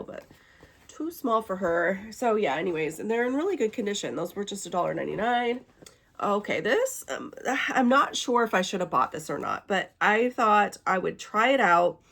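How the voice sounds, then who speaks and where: Raspy, hoarse lady chatting about her haul, kinda gravelly, lots of ums. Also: fairly low pitch, lively intonation, brisk, a bit bright. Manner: chatty, with fillers and small laughs. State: hoarse from illness. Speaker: vlogger showing a thrift haul. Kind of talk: casual chat.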